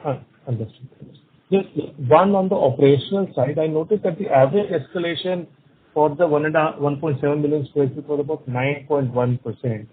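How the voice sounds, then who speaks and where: A man's voice: fairly high pitch, brisk. A man questioning company management as a financial analyst on a conference call. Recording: noisy phone line with clicks.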